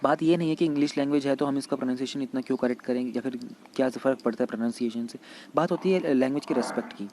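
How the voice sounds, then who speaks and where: A man giving an exam-prep lecture in mixed Hindi and English. He reads English passages slowly, then explains them in Hindi. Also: mid-range voice, mellow, a little hiss or hum.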